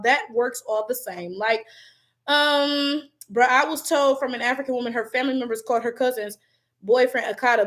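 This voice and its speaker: A woman with a Detroit accent chatting casually on a livestream, reading viewer comments aloud, loose and slangy, laughing often. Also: on the high side. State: voice cracking. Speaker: YouTuber reading live chat comments.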